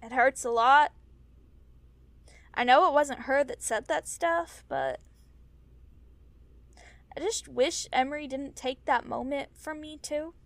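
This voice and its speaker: A woman's voice: sits high, dry recording. A woman acting in an audio drama as a wistful, frank young mer-person who is hurting and on the run. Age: young adult.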